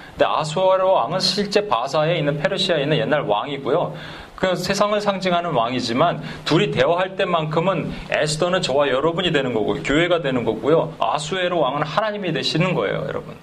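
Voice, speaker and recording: A man preaching a sermon, animated and chuckling as he tells stories and acts out dialogues. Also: fairly high pitch, poor audio. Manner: chuckles while telling stories. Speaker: pastor.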